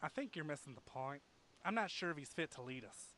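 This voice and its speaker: A man's voice: fairly high pitch, expressive, brisk, bright, forceful tone. A man playing an understated, reasonable soldier teammate in a cartoon. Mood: measured.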